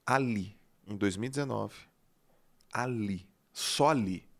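A man hosting a podcast, telling a personal story in an animated way that swings between loud and hushed, with some casual swearing. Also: fairly low pitch, slow pace, gravelly. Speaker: podcast host.

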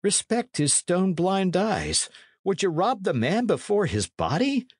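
Storybook young squire acted by a male reader, raised pitch, earnest and reproachful. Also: huge pitch swings, unhurried, husky, dry recording, studio quality, exaggerated voice. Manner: formal archaic speech.

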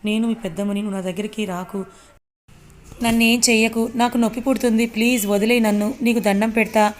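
A woman's voice: mid-range voice, little pitch movement, fast talker, a little mellow, close to an everyday voice. A woman voicing a terrified young woman in shock, pleading and raving. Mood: frantic. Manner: pleading, frantic.

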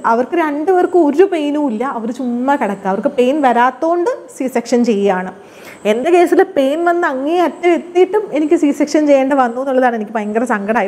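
Fast-talking high-voiced woman vlogger. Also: darkish tone. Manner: chatty, mixes English words into her speech. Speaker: vlogger telling her own birth story. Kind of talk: casual personal storytelling.

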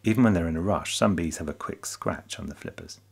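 A man narrating a short nature documentary in a calm, measured, explanatory voice-over. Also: sits low, gravelly, husky. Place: voice-over, not recorded in the pictured hive.

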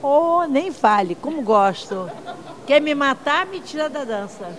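A woman's voice: high-pitched, big pitch swings, a little slow, crowd noise. Emphatic older Carioca woman. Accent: Carioca Portuguese. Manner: emphatic, proud. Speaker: theatergoer. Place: city street at night. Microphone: reporter's handheld mic.

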